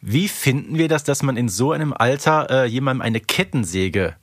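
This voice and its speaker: Mid-pitched man chatting, dry sound. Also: animated, normal speed, fairly bright tone, dry recording. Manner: conversational, seeks agreement with tag questions. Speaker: podcast co-host. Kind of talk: casual chat reviewing an audio drama.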